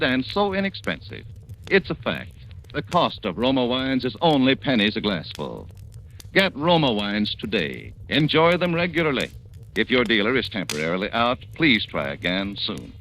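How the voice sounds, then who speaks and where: Man, old radio ad, persuasive and animated, slight hiss. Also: medium pitch. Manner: persuasive, lively salesman delivery. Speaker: commercial announcer. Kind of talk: 1940s radio commercial.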